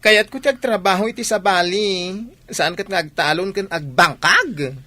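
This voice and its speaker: A woman acting a put-upon gay young village cousin, wistful and complaining. The voice sits at a middle female pitch, played in radio comedy style. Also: normal speed, pushed and bright. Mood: plaintive complaining.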